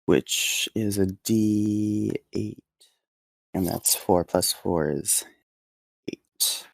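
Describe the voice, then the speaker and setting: A man's voice: on the low side, very slow, gravelly. A man playing a tabletop role-playing game, talking casually as a player. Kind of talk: casual game chat, some in-character narration.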